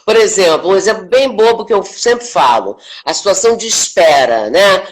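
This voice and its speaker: A woman's voice: medium pitch, normal speed. Emphatic older woman, thoughtful. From Brazil. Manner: emphatic, animated, with many tag questions. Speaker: actress, interview guest. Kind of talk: reflective conversation. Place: home, online live stream. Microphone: video call.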